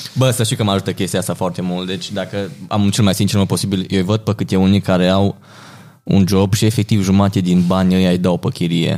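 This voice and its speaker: A man with a Transylvanian accent speaks at a fairly quick pace in a fairly low pitch, his intonation fairly even, on a very clean recording with a silent background. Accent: Transylvanian Romanian. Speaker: stand-up comedian. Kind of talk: casual chat.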